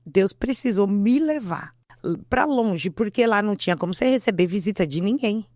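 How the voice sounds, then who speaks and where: Uma mulher com sotaque brasileiro dá um testemunho de fé emocionado numa entrevista, repetindo frases e encenando falas. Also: female voice, mid-range voice, expressive, normal speed, a little mellow, dry recording. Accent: Brazilian Portuguese. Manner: earnest, repeats herself, acts out quotes. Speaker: interview guest. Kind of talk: emotional testimony.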